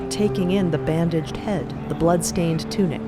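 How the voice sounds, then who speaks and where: A woman's voice: lowish voice, moderate pace, over loud music. A woman narrating a scripted audio drama in a dramatic storytelling style.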